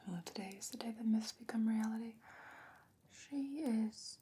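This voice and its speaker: A woman playing a calm, thoughtful fantasy sorceress in an ASMR roleplay, speaking in a breathy, measured whisper with deliberate pauses. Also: fairly high pitch. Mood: pensive, grave.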